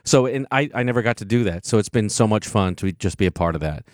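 A man's voice: fairly low pitch, animated, fast, dry recording, studio quality. A man being interviewed on radio as an actor guest, talking eagerly and often restarting and repeating words.

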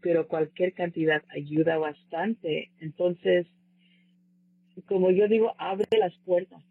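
A woman's voice: lowish voice, fairly even intonation, slow, breathy edge, dry recording. A woman telling her own story as a former scholarship recipient in an interview, earnest, with hesitant restarts. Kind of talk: casual personal story in an interview. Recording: dry tinny phone-like line.

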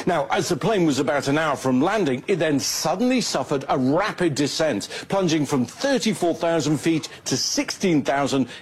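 A man reporting as a television foreign correspondent in a measured, formal delivery. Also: fairly high pitch, slightly rough. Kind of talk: broadcast news report.

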